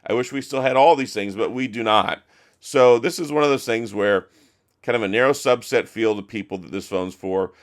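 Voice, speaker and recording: A middle-aged man with a hoarse, strained voice, chatting casually and with strong opinions as he reviews a phone to camera. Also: mid-range voice, normal speed. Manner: chatty, opinionated, frequent restarts. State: hoarse, losing his voice. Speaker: tech reviewer.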